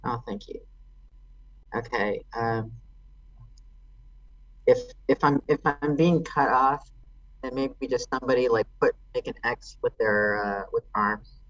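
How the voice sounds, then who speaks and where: A woman's voice: a bass voice, slow, long pauses, no echo, highs cut off. A woman, a challenger in an election, talking casually on a video call while her internet audio keeps cutting in and out. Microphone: laptop or phone mic on a video call.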